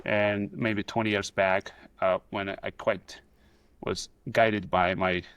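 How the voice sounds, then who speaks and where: A man's voice: on the low side, flat delivery, takes it slowly, a bit bright, smooth, no echo, dull audio. A middle-aged man with a Russian accent, a guest on a video call, telling his story in a hesitant way with many fillers and restarts. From Soviet Union. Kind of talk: casual video-call interview. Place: pool house.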